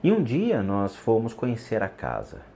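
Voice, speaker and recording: A man in his forties telling a personal story in an unhurried, reflective way, with pauses and restarts. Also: fairly low pitch, huge pitch swings, dark tone, a little hiss or hum. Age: 40s. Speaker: vlogger. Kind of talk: storytelling vlog about a haunted childhood house.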